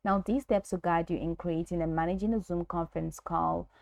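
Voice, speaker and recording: A woman presenting a step-by-step software tutorial in an instructional manner, reading from a script with the occasional stumble. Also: fairly low pitch, fairly even intonation, brisk, vocal fry, dry recording.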